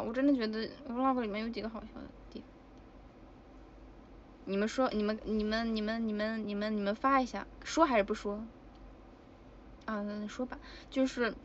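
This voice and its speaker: A woman's voice: on the high side, a bit bright, muffled recording. A woman chatting casually with fans on a livestream, giggly and exclamatory. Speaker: idol livestreamer. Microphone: phone.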